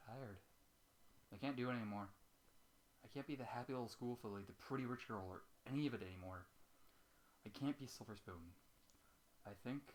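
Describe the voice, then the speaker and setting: A man's voice: lowish voice, a little hiss or hum, lightly acted. A man reading as a weary, sorrowful young schoolgirl pony in a storybook, subdued and resigned.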